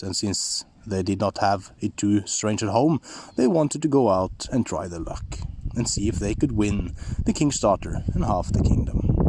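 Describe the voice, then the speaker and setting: Slow, animated storyteller. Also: male voice, on the low side, background noise. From Norway. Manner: lively, expressive storytelling with non-native phrasing. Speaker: storyteller, channel host. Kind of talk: fairy tale narration.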